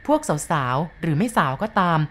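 A woman voicing a stern village exorcist who speaks firmly and deliberately in a spoken ghost story. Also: mid-range voice, darkish tone, close to an everyday voice. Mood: warning. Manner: firm, commanding, slow and deliberate.

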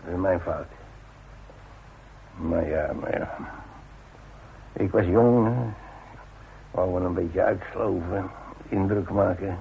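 Gravelly old working-class father, muffled radio. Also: deep voice, steady tone, takes it slowly, long pauses, exaggerated voice. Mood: rueful, reflective. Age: older. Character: gruff, stubborn old working-class father, retired workman. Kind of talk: radio play acting. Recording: muffled narrow-band old radio recording with hiss.

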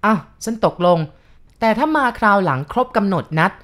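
A woman voicing a lecherous, harsh old man who threatens and shouts in slow, drawn-out words. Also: mid-range voice, lively intonation, pitched above the performer's own voice, natural voice. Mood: menacing.

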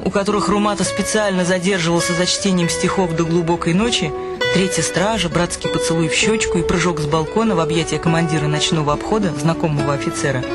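High-voiced male narrator over music. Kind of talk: literary reading in a radio play.

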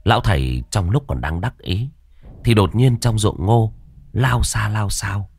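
A man narrating a horror story in an expressive, suspenseful way. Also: fairly low pitch, measured pace, breathy edge.

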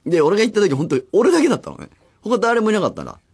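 A man in his forties, a radio host, talking in rambling casual chat with animated acted-out asides, in a studio. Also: sits high, rapid-fire, slightly rough. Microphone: studio microphone.

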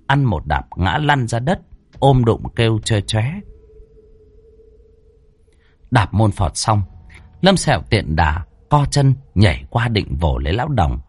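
In a husky, fairly low voice, a man tells a ghost story with lively, dramatic, colloquial flair. There's no echo on the recording.

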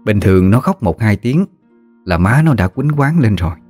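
Deep-voiced man telling a ghost story. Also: moderate pace, soft background music. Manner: steady, somber storytelling.

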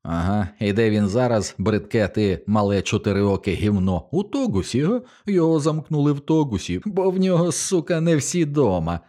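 Brief: spiteful fat older man, as a male reader puts him on, yelling and jeering. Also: on the low side, sing-song, normal speed, few pauses, pitched above the performer's own voice. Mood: sneering rage. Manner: coarse, sneering, yelling.

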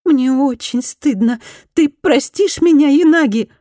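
A woman's voice: high-pitched, unhurried, mellow, no room sound, clean studio sound, pitched above the performer's own voice. A woman voicing a remorseful former schoolgirl bully, now a housewife, who pleads in a thin, small, faltering voice and stammers slightly. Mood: pleading.

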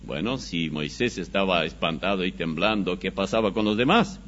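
A man preaching a Bible study, reading scripture slowly and with emphasis, recorded on dull, lo-fi audio. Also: low voice. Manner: slow, emphatic scripture reading with animated rises.

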